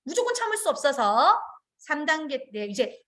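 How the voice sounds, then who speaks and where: Woman trainer, middle-aged, high lively voice, acts out classroom lines. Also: normal speed. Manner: animated, acts out children's and teachers' lines. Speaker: early childhood education trainer. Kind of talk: online teacher training lecture.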